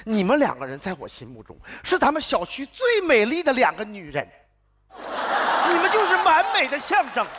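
A man's voice: very high-pitched, wildly swooping pitch, moderate pace, heavy background noise, heavily acted. An actor playing a flustered neighborhood man hunting a rat, ranting in a stage comedy sketch. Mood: lecturing. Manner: exasperated ranting, repeats himself. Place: television gala stage.

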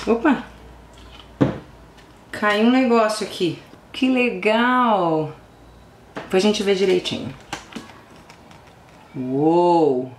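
A young woman with a Brazilian Portuguese accent, gushing and exclamatory as she unboxes an album, dropping into hushed whispers and bursting into sudden squeals. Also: mid-range voice, slow, pauses often. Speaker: vlogger. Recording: roomy echo, faint background noise.

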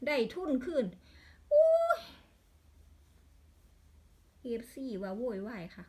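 A woman's voice: on the high side, expressive, a little fast, warm tone, a little hiss or hum. A woman with an Isan accent in a casual vlog, rattling off lottery number strings and breaking into exasperated grumbles.

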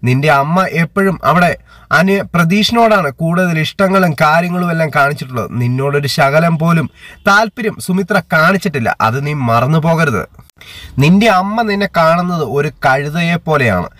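A bitter, manipulative aunt who taunts and insists in a retold family drama, read out by a man. The voice sits a little high and sounds close and dry, with no room around it. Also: lively intonation, moderate pace, fairly bright tone, no room sound. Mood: taunting. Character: scheming middle-aged aunt, bitter and manipulative.

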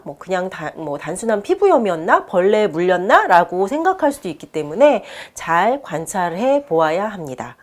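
A woman's voice: medium pitch, darkish tone. A woman doctor giving an explanatory medical talk in an instructive manner, stressing key terms. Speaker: doctor presenting a health video column. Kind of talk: explanatory medical lecture to camera.

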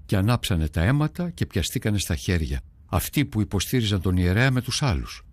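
A man's voice: fairly low pitch, animated, no echo. An actor narrating as a devout early-Christian man who tells, in earnest first person, of a crisis of faith and hard times. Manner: earnest, prayerful, brooding. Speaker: documentary narrator.

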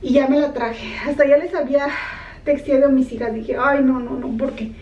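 A woman's voice: sits high, moderate pace, distant mic, lo-fi sound. A middle-aged woman, chatting casually in a home vlog and slipping in English words. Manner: chatty, animated storytelling mixing in English words. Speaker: vlogger. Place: her home, kitchen and yard.

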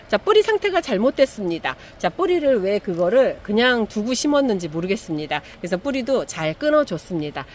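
A middle-aged woman chatting casually while repotting succulents, animated and full of fillers. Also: medium pitch, slight background noise. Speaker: succulent grower and seller. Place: outdoor or greenhouse setup, rain in afternoon.

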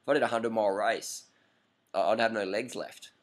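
A man in his thirties, speaking low, brisk and fairly even, answers a viewer's question in a casual, rambling webcam vlog, repeating points for emphasis. He's indoors at night in a curtained room, close to a laptop webcam mic.

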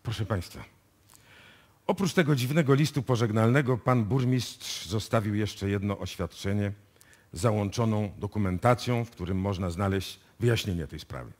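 An actor playing a shrewd, self-assured police inspector in a radio play, explaining deliberately and with authority. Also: male voice, fairly low pitch, lightly acted. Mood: confident, explanatory. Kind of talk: live radio play acting.

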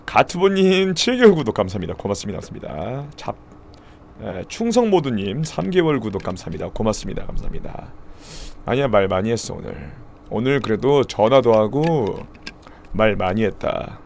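A man streaming live with a hoarse voice, chatting casually and thanking subscribers. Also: fairly low pitch, very animated, normal speed, darkish tone, a little hiss or hum.

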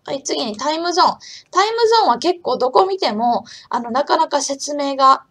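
A woman's voice: high voice, animated, fairly quick, a bit bright. A woman hosting a live-streamed trading lesson, chatty and casual, talking to herself, reading viewer comments aloud and calling herself by name, her throat just recovering from soreness. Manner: chatty, talks to herself and reads chat aloud; calls herself by name in the third person. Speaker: trading channel host.

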